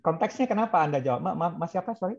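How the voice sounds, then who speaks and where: A man's voice: a little high, lively intonation, very fast, vocal fry, a little mellow, lo-fi sound. A man leading a training class, quizzing trainees and mixing English example phrases into his explanations. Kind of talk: interactive online class.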